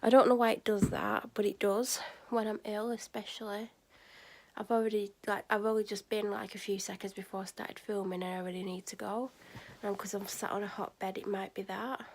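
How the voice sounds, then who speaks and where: A woman's voice: mid-range voice, flat delivery, a little fast, darkish tone. A woman vlogging while sick and exhausted, with a sore throat, rambling tiredly with many fillers. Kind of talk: casual vlog chat. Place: bedroom at night, then out by a shop.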